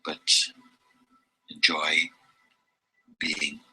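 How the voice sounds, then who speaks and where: Really deep male voice w/ a very bright edge, reading spiritual stuff slowly n deliberately, long pauses, music behind. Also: completely flat delivery, husky. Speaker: reader of spiritual teachings. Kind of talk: slow meditative spiritual reading.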